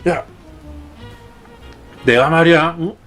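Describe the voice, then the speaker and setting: A man's voice: fairly high pitch, steady tone, slow pace, fairly bright tone, faint music behind. A man voicing a boastful, tipsy mortal man who brags to friends about a past affair. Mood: bragging. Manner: swaggering, brash bragging. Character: boastful drunk male mortal lover.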